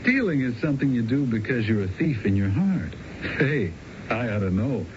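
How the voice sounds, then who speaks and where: An actor in a 1970s radio drama playing a cocky, smooth-talking thief, slangy and streetwise. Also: male voice, medium pitch, very animated, moderate pace, close to an everyday voice. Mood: cocky, knowing. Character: cocky, smooth-talking small-time male thief and hustler. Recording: dull, noisy old radio broadcast.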